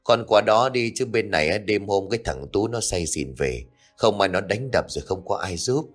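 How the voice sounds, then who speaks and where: Man playing a sweet older auntie, soothing and caring, pitch moves a lot. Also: animated, normal speed, faint music behind. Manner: gentle, soothing, coaxing. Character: kind older village aunt, caring and motherly.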